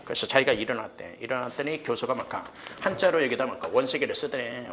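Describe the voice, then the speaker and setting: Brisk, joking man lecturing a class. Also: mid-range voice, a bit bright, a little hiss or hum. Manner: brisk, asks students constant questions and quickly answers them himself; blunt and joking, with casual rough slang. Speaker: exam prep history lecturer. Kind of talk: lecture to students. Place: cram school lecture room.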